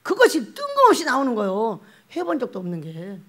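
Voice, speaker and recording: Animated high-voiced woman preaching. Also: brisk. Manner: animated, acts out quoted voices, laughs often. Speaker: pastor. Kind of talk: sermon.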